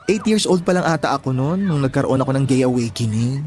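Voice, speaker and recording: A man's voice: mid-range voice, animated, fast, darkish tone, natural voice. Campy, sassy young Filipino gay man played by an actor. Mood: dramatic, sassy. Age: young adult. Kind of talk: audio drama dialogue in casual slang.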